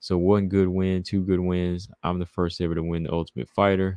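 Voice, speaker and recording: With a Southern US accent, a man speaks at a very deep, low pitch in a monotone, flat delivery. The sound is dry and close with no echo, and the background is quiet. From US Southeast. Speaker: MMA commentator, podcast host. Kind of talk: casual live-streamed talk show. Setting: live stream, online video. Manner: casual, rambling, conversational.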